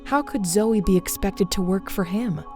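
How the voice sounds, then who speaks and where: A woman narrating a scripted drama in a measured, suspenseful way. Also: medium pitch. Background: music.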